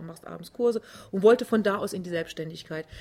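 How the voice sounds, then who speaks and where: A woman with an unremarkable speaking voice, medium in pitch with ordinary variation, on a very clean recording with a silent background. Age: 50s. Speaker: belly dance teacher and dance studio owner. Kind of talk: interview.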